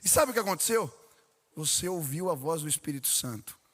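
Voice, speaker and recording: Brazilian pastor preaching in a reverberant church. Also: male voice, fairly high pitch, a little fast. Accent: Brazilian Portuguese. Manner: animated storytelling with questions to the congregation. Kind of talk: sermon. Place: church sanctuary. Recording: long reverb in a large church hall.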